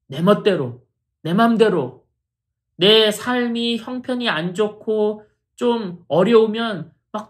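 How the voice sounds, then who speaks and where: Earnest woman pastor preaching. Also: mid-range voice. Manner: earnest, emphatic, addresses the congregation directly. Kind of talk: sermon.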